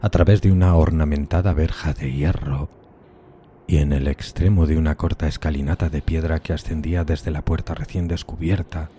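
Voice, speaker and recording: A man acting a deep, dark-voiced solemn gothic outcast. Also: steady tone, normal speed, a little hiss or hum. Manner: solemn, theatrical, ornate literary delivery. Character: solitary tormented outcast narrating his gothic horror escape. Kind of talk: dramatic first-person gothic horror audiobook narration.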